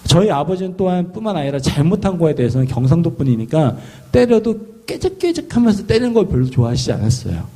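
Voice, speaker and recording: A pastor from Seoul preaching a sermon in a lively storytelling way, often asking the congregation questions. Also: male voice, high-pitched, quick pace, few pauses. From Seoul, South Korea.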